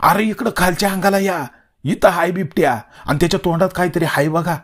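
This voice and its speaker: A man's voice: medium pitch, moderate pace, close to an everyday voice. A man voicing a village man with a rural Marathi dialect, urgently reporting a leopard he saw. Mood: alarmed. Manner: urgent, shouting, excited.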